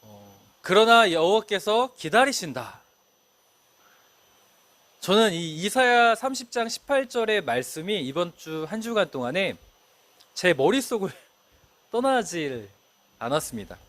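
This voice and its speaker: Middle-aged guy pastor giving a sermon, kinda high voice that swings all over, asks the church questions, dry sound. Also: very animated, a little slow, long pauses, a bit bright, no room sound. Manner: storytelling with rhetorical questions to the congregation.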